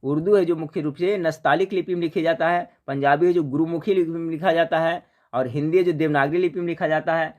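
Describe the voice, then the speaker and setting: A man runs through practice questions for an exam. He poses each question, pauses for a guess, then gives the answer. He keeps telling listeners to remember and calls them friends. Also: on the high side, fairly even intonation, phone-quality sound. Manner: addresses viewers as friends, repeats "remember", asks then answers. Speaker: exam prep teacher. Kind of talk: quiz-style Hindi grammar lesson.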